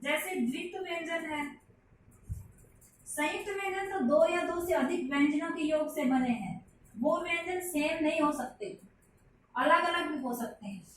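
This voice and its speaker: A woman's voice: high voice, measured pace. A woman teaching a Hindi grammar lesson to children, patiently repeating points and calling her listeners child. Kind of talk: classroom lesson explaining to children. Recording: very echoey room, mic at a distance, faint hiss.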